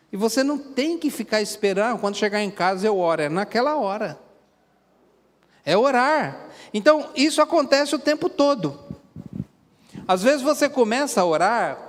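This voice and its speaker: High-voiced Brazilian pastor in a reverberant church. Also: male voice. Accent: Brazilian Portuguese. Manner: earnest, conversational preaching with direct questions to the congregation. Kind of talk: sermon. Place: church sanctuary. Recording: long hall reverb in a church.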